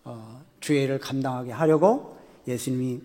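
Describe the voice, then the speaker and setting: A man's voice: medium pitch, normal speed, dark tone, big-room sound. A man, a pastor, preaching a sermon conversationally with rhetorical questions to the congregation.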